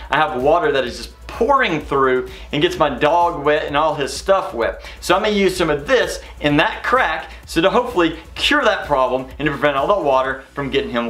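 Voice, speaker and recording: This is a middle-aged man hosting a home improvement how-to show, giving plain-spoken instructions to camera. His voice is fairly high-pitched with a fairly bright tone.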